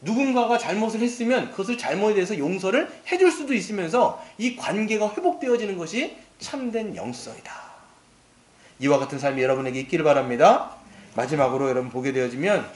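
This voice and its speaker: Middle-aged pastor guy preaching, high voice, acts out the quotes, echoey church. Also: a little fast. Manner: animated, acts out quoted lines, asks the congregation questions. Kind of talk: sermon. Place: church sanctuary.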